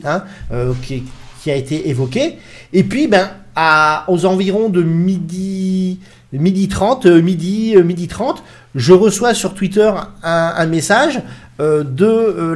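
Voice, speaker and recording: A man talking casually to his camera, rambling with many fillers and restarts as he recounts a story. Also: fairly high pitch. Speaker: YouTuber recounting a TV interview.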